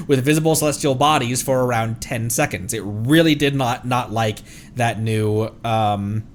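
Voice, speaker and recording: A man's voice: medium pitch, unhurried, a little hiss or hum. A man livestreaming a game, reading its text aloud and reacting casually, sometimes stumbling over words and correcting himself. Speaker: livestream host, VTuber.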